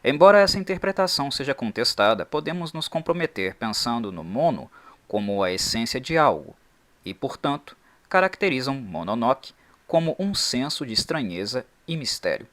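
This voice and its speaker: Man, channel host, scripted reading, lively pitch, emphatic. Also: moderate pace.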